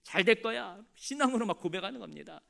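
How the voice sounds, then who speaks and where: Male pastor, high and lively voice, animated sermon storyteller. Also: fast, creaky. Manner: animated storytelling, calls on the congregation to respond.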